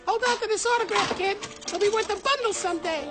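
An actor voicing a cocky, wisecracking little male ventriloquist dummy in a squeaky voice, snapping out brash comebacks. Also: brisk, over loud music. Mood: smug, flirty. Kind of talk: scripted comedy double act.

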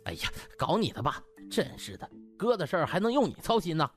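A man's voice: on the high side, sing-song, a little fast, soft background music. A man voicing a cheeky, shameless young hospital slacker with a slangy, smirking, ingratiating manner in an audiobook. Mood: dismissive. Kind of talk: audiobook character acting.

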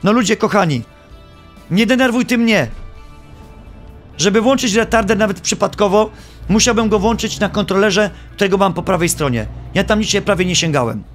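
A man streaming live, giving gameplay commentary in an animated, joking and playfully exasperated way. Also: sits high, moderate pace, soft background music.

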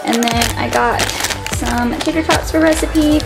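Chatty young woman with a gravelly edge. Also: fairly high pitch, a little slow, poor audio. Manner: relaxed and chatty, many fillers like "like" and "um". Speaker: vlogger showing a grocery haul. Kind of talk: casual chat. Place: home, indoors, at a table. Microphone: camera held overhead, point-of-view shot. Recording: home video with music underneath. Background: background music.

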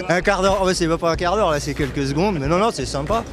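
A man's voice: high voice, fairly quick, a crowd in the background. Amused man visitor at a show. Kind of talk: vox-pop answers. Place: busy indoor exhibition hall.

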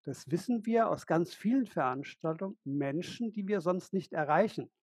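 Older man with a gravelly husky voice. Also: high-pitched, lively intonation, normal speed, darkish tone, no room sound, clean studio sound. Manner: earnest, explains with examples and quotes. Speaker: podcast co-host. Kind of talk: casual live podcast conversation. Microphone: headset on a video call.

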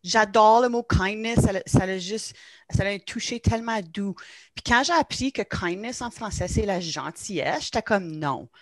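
A woman's voice: medium pitch, moderate pace, dry recording. Franco-Ontarian woman, reflective panel talk, dry close sound, over a video call, mid-range voice. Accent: Franco-Ontarian French. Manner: reflective, mixes in English words. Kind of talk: casual video-call discussion.

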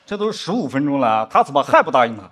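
A man performing a stand-up comedy set on a studio stage, acting out drama scenes with big pitch swings. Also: very animated, fast talker, a crowd in the background, noisy background. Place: studio stage with live audience.

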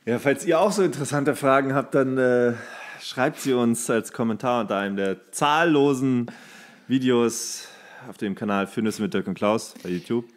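A man's voice: mid-range voice, moderate pace. A man co-hosting a podcast, joking flippantly in casual comedic banter. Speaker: podcast co-host.

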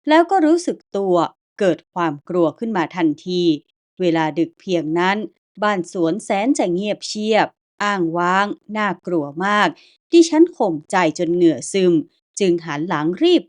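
A woman telling a first-person ghost story in scripted narration, slow and measured. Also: on the low side, darkish tone.

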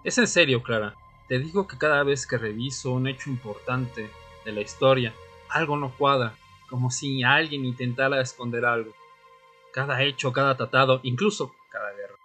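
Casting: male actor as solemn vampire seeking answers, mid-pitched forceful voice, radio drama over music. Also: natural voice. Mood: insistent, troubled. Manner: solemn, deliberate storytelling in short phrases. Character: brooding male vampire, former history student, seeking answers. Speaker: narrator and lead actor. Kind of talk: audio drama narration and dialogue. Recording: music bed under the voice.

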